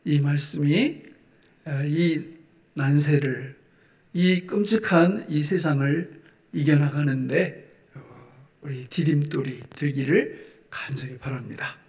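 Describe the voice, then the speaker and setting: A male pastor preaching a sermon, asking the congregation questions and answering them himself, and swinging from loud exclamations to hushed asides. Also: fairly high pitch, takes it slowly, pauses often.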